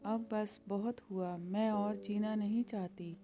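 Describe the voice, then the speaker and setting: Woman doing a sad village girl, pleading, emotional, flat pitch. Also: slow pace, over music, natural voice. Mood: hurt. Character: sad plain village girl, tearful and hopeful. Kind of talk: storybook character voice.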